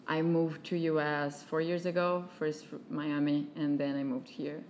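Low-voiced Brazilian woman, chatty guest. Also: flat delivery, unhurried, darkish tone, a little hiss or hum. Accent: Brazilian Portuguese. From southern Brazil. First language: Portuguese. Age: 30s. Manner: chatty, many fillers, laughs often. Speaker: guest, venture capitalist. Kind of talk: casual interview chat.

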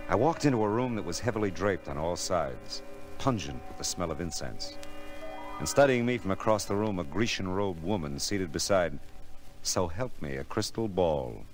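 An actor playing a hard-boiled, wry private detective in 1940s radio noir style, sardonic and tough. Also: male voice, sits low, expressive, moderate pace. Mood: wry, watchful. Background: music.

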